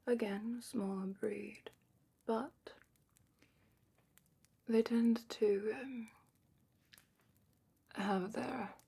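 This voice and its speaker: A woman playing a calm, thoughtful dragon curator in a whispered ASMR fantasy roleplay, speaking softly and breathily with measured, musing pauses. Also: medium pitch, gravelly, slightly rough, full character voice. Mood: musing, considering.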